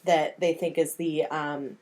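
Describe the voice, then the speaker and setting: A woman's voice: low voice, steady tone, unhurried, a little mellow. An American woman co-hosting a casual movie podcast, talking in a rambling, self-deprecating way. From United States. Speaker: podcast co-host.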